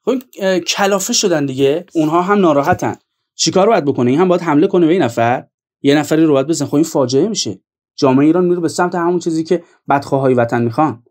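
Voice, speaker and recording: Male commentator, fairly high voice, earnest, talks straight to viewers. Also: a little mellow. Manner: earnest, addresses viewers directly. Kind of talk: online video commentary.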